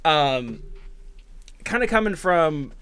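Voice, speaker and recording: A man narrating a tabletop game as its host and game master, improvising in a halting, hedging way. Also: a little high, very animated, a bit bright, clean tone.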